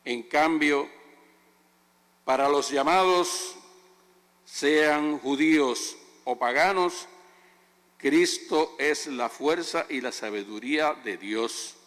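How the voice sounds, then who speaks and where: Male lector, extremely slow and solemn liturgical reading, slightly high voice, long cathedral echo. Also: fairly bright tone. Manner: solemn, deliberate phrasing. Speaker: lector at Mass. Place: large reverberant church.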